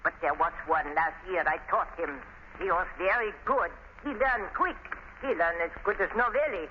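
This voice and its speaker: An actress playing a frightened foreign widow and stage knife thrower in 1930s radio style, with accented, halting, dramatic broken English. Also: female voice, fairly low pitch, lively intonation, close to an everyday voice. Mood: intense, bitter. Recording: noisy, dull 1930s radio recording.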